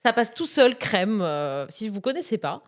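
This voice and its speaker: A woman's voice: medium pitch, sing-song, moderate pace. A young woman hosting a casual film podcast, bubbly and chatty, laughing often as she talks. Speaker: podcast host.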